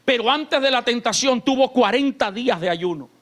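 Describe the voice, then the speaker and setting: A male pastor with a Colombian Caribbean Spanish accent, preaching an impassioned sermon in a church, swinging between hushed and shouted lines. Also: extremely high pitch, lively intonation, normal speed.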